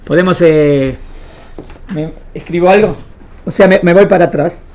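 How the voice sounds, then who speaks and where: Her voice is lowish and darkish at a moderate pace, with a little hiss or hum in the recording. An Argentine-accented religion teacher, she lectures interactively to a small class, repeating phrases didactically and regularly asking if she's understood.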